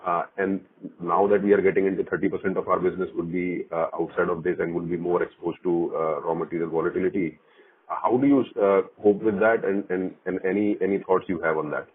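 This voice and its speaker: A man asking questions as an analyst on an earnings call, polite and halting, over a phone line. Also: deep voice, steady tone, husky. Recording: muffled narrow-band phone line.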